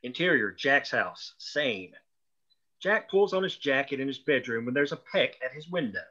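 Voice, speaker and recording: Bright-voiced man reading stage directions, lo-fi. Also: mid-range voice, animated, normal speed. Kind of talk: scripted narration at a screenplay table read.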